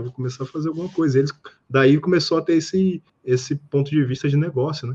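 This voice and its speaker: This man talks at a very fast pace with a fairly high pitch and ordinary pitch variation. His voice is somewhat breathy. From Brazil, Petrópolis, Rio de Janeiro state. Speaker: cloud engineer. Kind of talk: casual interview chat. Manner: halting, many repetitions.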